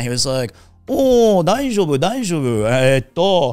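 A man speaks in an animated tone at a fairly high pitch. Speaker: former English teacher and Twitch streamer. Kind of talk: casual chat. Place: studio. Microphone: studio mic.

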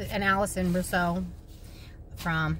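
Lively intonation marks a woman speaking at a moderate pace. The sound is dry with no echo, with light background noise. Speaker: crochet vlogger. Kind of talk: casual vlog chat. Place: car. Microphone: phone near.

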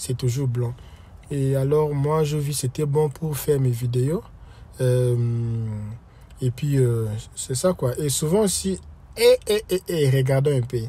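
Dark and mellow in tone and somewhat breathy, a man of medium pitch talks very slowly with long, frequent pauses and ordinary pitch variation. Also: dry sound with no echo. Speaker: YouTuber vlogger. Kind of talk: casual vlog monologue. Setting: in a store, then in office. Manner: informal, hesitant, many fillers. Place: home room. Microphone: phone near.

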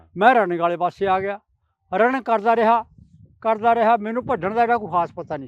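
A man with a high pitch speaks with big swings in loudness and ordinary pitch variation. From Punjab, India. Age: 70s. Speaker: veteran runner. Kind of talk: interview answer.

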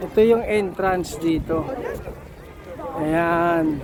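There is noticeable background noise and an audible room echo. The man's pitch is high, with ordinary variation. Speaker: travel vlogger. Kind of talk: walking travel vlog narration. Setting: outdoors walking through a city. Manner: animated.

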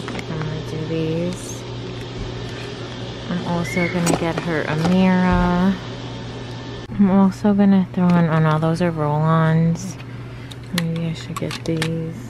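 Music plays behind a woman speaking very slowly at a fairly low pitch, her intonation fairly even. Her long pauses come often, and the sound is dry with no echo. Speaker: lifestyle vlogger. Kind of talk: casual vlog chat. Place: shop.

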